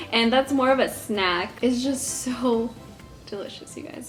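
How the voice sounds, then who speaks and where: Speaking in a Spanish accent at a moderate pace with ordinary pitch variation, a woman is heard amid audible room echo and music in the background. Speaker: YouTuber. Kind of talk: casual vlog. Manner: animated.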